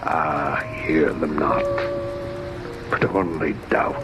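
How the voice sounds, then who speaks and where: A man's voice: very deep voice, loud music behind the voice. A man acting a haunted, grieving son who narrates a ghost tale in a solemn, dramatic old-time radio style. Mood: bleak, despairing. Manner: slow, solemn, dramatic delivery. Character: haunted, grieving son recalling his father's fate. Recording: noisy old radio recording.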